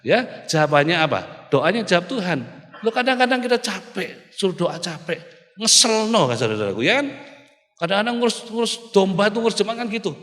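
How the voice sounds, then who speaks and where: A male pastor preaching an animated sermon, often calling out to the congregation. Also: high voice, fairly quick. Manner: animated preaching, keeps calling the audience "saudaraku". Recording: reverberant hall.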